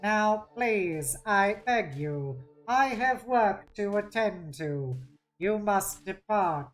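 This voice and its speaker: An unctuous cyborg tech-priest, played by a woman reading a novel aloud, speaks very slowly and with false courtesy. He sounds smooth and patronizing, over music. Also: medium pitch, expressive. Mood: smooth, formal. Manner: unctuous, slow, politely condescending. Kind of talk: dramatic novel read-aloud.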